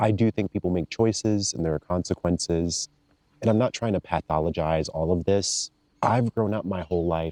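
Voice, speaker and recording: With an American accent, a man speaks at a moderate pace in a very deep, low pitch with ordinary pitch variation and a dark, mellow tone, the sound dry and close with no echo over a quiet background. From US, Jamaican American family. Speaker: YouTuber and writer. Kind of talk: personal video essay.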